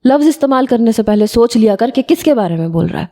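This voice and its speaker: A woman's voice: a little high, lively intonation, warm tone, close to an everyday voice. A woman voicing a strict father in an audio story, scolding his family. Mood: stern.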